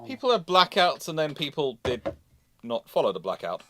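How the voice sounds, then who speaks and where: A man hosting a casual panel discussion, reading out questions and answering them in a somewhat halting way. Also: on the high side, wildly swooping pitch, noisy background. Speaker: livestream host answering questions.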